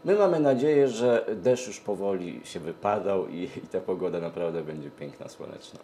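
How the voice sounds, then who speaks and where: Deep, mellow man, hesitant. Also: animated, moderate pace, slight background noise. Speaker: event organizer, interview guest. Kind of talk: studio interview answers. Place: TV studio, seated at a glass desk. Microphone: lapel mic.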